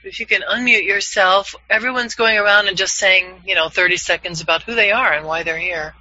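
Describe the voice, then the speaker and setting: A man in his fifties, a voiceover coach leading an online class, upbeat and quick to laugh. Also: high voice, fairly even intonation, pushed and bright. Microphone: video call. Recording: dull, lo-fi video call audio.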